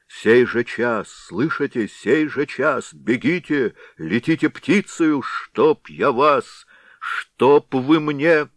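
A man reading an audiobook, voicing a grey-haired one-eyed village head who blusters and shouts orders. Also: low voice, no room sound, studio quality.

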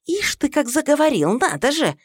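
Woman doing a bossy older mother-in-law, high and loud, scolding nonstop, dry close voice. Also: sing-song, moderate pace, no room sound. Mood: furious. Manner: scolding, indignant, shrill. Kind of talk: audiobook character reading.

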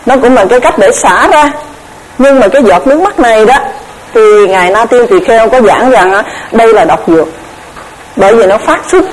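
A woman giving a Buddhist dharma lecture, measured and explanatory, often repeating words as she searches for the next one. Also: on the high side, a little hiss or hum, low-quality recording. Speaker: Buddhist Abhidhamma teacher.

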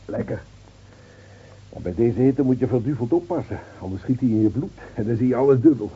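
An actor playing a brooding village man in a radio play, measured and ruminative in his delivery. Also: mid-range voice, slight background noise, natural voice. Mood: chatty. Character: brooding village man, neighbourly wine-sipping visitor. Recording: tinny, phone-like old radio play recording.

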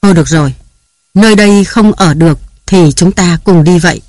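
A man's voice: high voice, fairly quick, a little mellow, no echo, studio quality. A man reading aloud who voices a frightened young wife, tearful and pleading. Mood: defiant.

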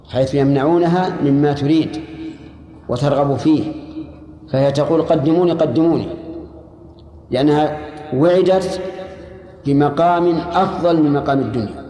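A man's voice: mid-range voice, warm tone, reverberant. A man, teaching and commenting on a text a student reads aloud. He explains points plainly and corrects the reader. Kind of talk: lesson commentary.

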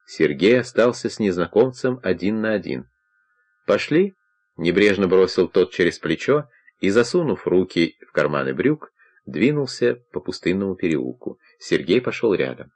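Deep-voiced male audiobook narrator. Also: very animated, moderate pace, darkish tone. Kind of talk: scripted narration of a crime novel.

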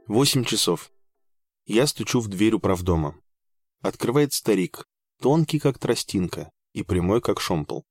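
A man narrating a first-person audiobook in an even, measured way with dry understatement. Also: lowish voice, soft background music.

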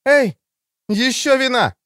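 A man's voice: on the high side, big pitch swings, moderate pace, darkish tone, dry recording, studio quality, voice pushed up. A man reading an audiobook, voicing a languid, provocative adult woman in a scheming mood. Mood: calling loudly. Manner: drawling, provocative.

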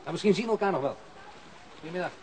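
An actor playing a courteous, evasive police official in a radio play, speaking in a measured, officious way. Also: male voice, sits high, animated, darkish tone, slight background noise. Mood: guarded, officious. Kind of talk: Dutch radio play acting.

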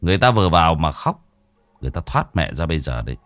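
A man doing a calm, commanding young exorcist. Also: rumbling low, no echo, full character voice. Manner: measured, commanding, steady.

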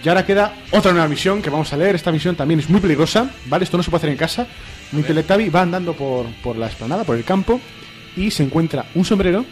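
A man co-hosting a comedy podcast, telling a comic story about a video game in an animated way, often laughing and jumping into squeaky voices. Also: quick pace, faint music behind. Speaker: podcast co-host.

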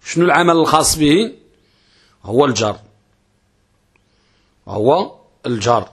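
A man's voice: a little high, animated, a bit bright, slightly rough. A man giving a grammar lesson, explaining step by step and putting questions to himself before answering them. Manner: chants verse slowly. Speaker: sheikh teaching Arabic grammar.

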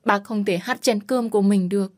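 A woman voicing an older, kindly household servant who speaks gently and consolingly in an audiobook. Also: mid-range voice, fairly quick, dry recording, studio quality, lightly acted.

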